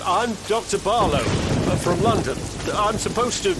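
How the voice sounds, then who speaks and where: An older male actor playing a nervous, desperate, ailing doctor in an audio drama, speaking hesitantly and haltingly. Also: sits high, animated, heavy background noise. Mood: nervous, pleading. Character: elderly, nervous, desperate doctor with a terminal illness. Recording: dramatic music bed, rain effects.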